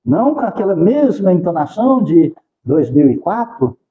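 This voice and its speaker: A man's voice: sits high, big pitch swings, normal speed, narrow, tinny audio. A man in his sixties giving an earnest devotional lecture in a center's hall, often checking in with his listeners. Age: 60s. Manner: earnest, often adds tag questions.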